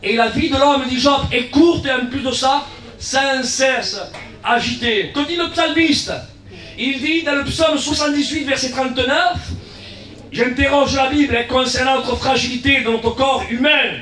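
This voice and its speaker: A guest pastor giving a lively sermon, acting out little dialogues, shouting key lines and dropping into low asides. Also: male voice, a little slow. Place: church hall. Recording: echoey church from far off.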